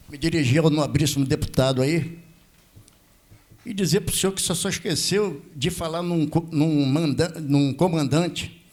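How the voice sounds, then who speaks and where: An elderly Brazilian man with a slightly high voice addresses a legislative hearing. He speaks as a veteran officer from the floor, formally and deferentially, stopping and repeating himself as he builds his points. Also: darkish tone. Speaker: veteran prison officer speaking as a member of the public. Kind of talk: impromptu speech at a legislative hearing.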